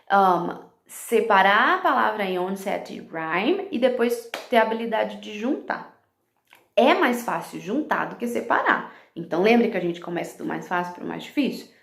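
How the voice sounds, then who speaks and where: A woman's voice: medium pitch, gravelly, reverberant. A woman teaching other teachers about phonological awareness. She explains step by step, checking in with "ok?" and using English words along the way.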